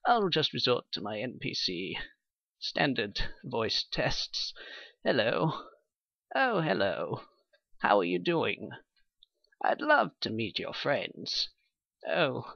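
A man voicing a kindly, rambling elderly villager and shopkeeper for a video game, with a husky, creaky voice and a hesitant, doddering manner. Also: mid-range voice, sharp tone, no room sound, highs cut off, exaggerated voice. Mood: welcoming. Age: older. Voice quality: husky, creaky old man's voice. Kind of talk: video game NPC character demo.

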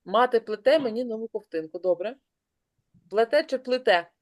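A woman teacher leads an online lesson in a brisk, encouraging way. Her voice sits a little high, and she keeps calling on pupils by name. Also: animated.

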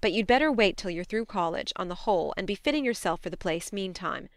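A woman reading a storybook, voicing a blunt, spirited young woman who talks briskly. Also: mid-range voice, expressive, dry recording, studio quality, lightly acted. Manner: brisk, scolding, then tender.

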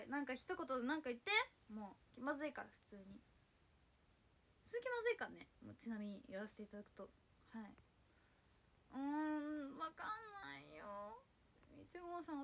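A young woman, chatting casually on a solo livestream, flustered as she reads and answers viewer comments. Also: high-pitched. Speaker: idol livestreamer.

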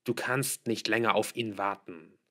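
A man's voice: on the low side, a little slow, sharp tone. A man voicing a worried, frustrated middle-aged father in an audiobook, pleading insistently and emphatically with his daughter.

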